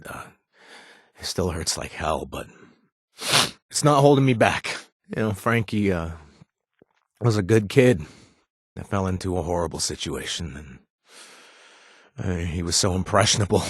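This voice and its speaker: An actor voicing a gentle, awkward ex-raider companion in a video game, talking haltingly with many fillers and restarts. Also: male voice, deep voice, breathy edge, no room sound, clean studio sound, full character voice. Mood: reflective. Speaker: companion character.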